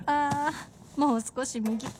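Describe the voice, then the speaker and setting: 上品な言葉遣いで夫をからかう作家の妻を演じる女性俳優。ラジオドラマの芝居。. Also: female voice, sits high, fairly even intonation, slow pace, background noise. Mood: wry. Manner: polite, teasing, genteel speech. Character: refined wry wife of a novelist. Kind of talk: radio drama acting.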